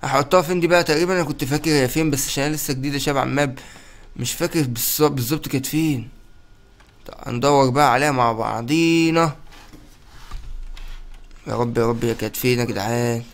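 A rapid, excitable man with an Egyptian Arabic accent narrating his game as a channel host. He hurries his words and keeps calling out to his viewers. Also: medium pitch. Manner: excitable, urgent, calls out to viewers. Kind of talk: let's-play commentary.

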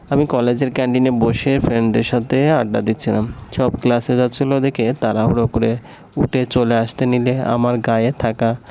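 A man narrating a romantic story aloud in a steady, even storytelling manner. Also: medium pitch, creaky, slight background noise.

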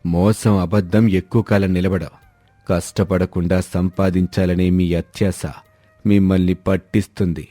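A man's voice: low voice, level tone, a little slow, mellow, dry recording. A man playing a shrewd, stern village landlord in a moral story, speaking in a grave, commanding manner. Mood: grave, reproving. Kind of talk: scripted animated moral-story dialogue. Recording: background music under the voice.

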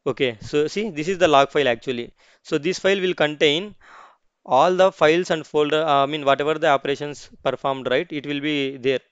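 A man talks through a software tutorial at his computer, narrating every click and often stopping to restart a sentence. His voice is smooth and clear and sits at an ordinary pitch. The recording is dry and a little dull, with no room sound. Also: fairly quick, dry recording. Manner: explains step by step, with many restarts and "okay, see" asides. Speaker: tutorial host.

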